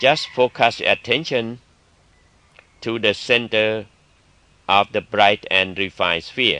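In a calm tone with a Thai accent, a man speaks with long, frequent pauses in a dry, close sound with no echo. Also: medium pitch for a man, ordinary pitch variation, fairly slow pace. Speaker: Buddhist monk meditation teacher. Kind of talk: guided meditation and dhamma talk. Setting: temple. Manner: slow, calm, instructive pacing with repeated mantra phrases; formal, measured.

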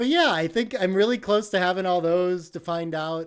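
Against a quiet background, a man speaks in an ordinary speaking voice at a moderate pace with lively intonation. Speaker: backgammon YouTuber and author. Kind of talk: casual interview. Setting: video call. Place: home room. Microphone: headset.

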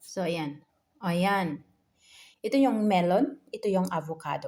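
At a fairly slow pace, a woman talks in a plain, everyday voice with medium pitch and lively intonation. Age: middle-aged. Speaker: vlogger. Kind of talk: casual vlog narration. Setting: at home.

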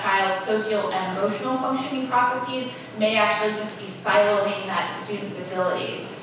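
The voice comes at a moderate pace through noticeable background noise and strong room echo. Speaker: panel moderator and education researcher. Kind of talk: panel discussion. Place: meeting room.

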